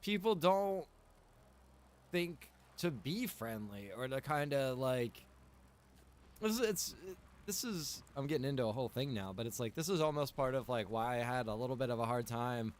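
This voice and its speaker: A man of middling pitch talks off the cuff as a game streamer who runs his own server. He speaks informally and loosely, circling back and repeating phrases as he works through a thought. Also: lively intonation, normal speed, slight background noise. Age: adult, past early twenties. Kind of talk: casual livestream chat while gaming.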